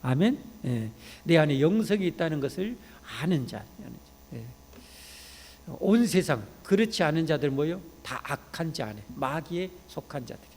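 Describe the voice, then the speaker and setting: Korean pastor preaching in a reverberant hall. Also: male voice, on the high side, lively intonation, normal speed. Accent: Jeolla Korean. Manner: conversational preaching, frequent "ye" interjections, rising to shouts when emphatic. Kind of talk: sermon. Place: church sanctuary.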